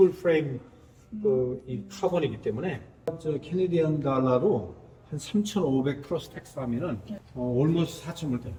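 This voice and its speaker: A man talks with lively intonation at a fairly high pitch. Noticeable background noise can be heard. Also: moderate pace. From Korean living in Toronto, Canada. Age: 70s. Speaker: trader and recreational cyclist. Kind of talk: interview answer about their bike.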